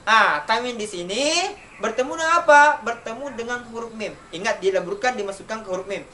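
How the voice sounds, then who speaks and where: A man teaching children Quran recitation rules in an online lesson, asking questions and answering them himself and chanting the examples slowly. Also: high-pitched, lively intonation, pushed and bright. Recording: distant mic, faint background noise.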